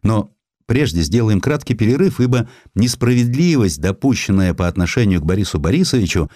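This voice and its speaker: A man narrating a historical story as a scripted radio audiobook, in a measured, dramatic storytelling manner. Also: lowish voice, expressive, darkish tone, no echo, clean studio sound.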